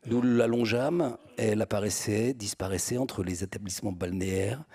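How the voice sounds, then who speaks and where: Man, husky low voice, slow deliberate reading aloud, occasional pauses. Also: mellow. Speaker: reader.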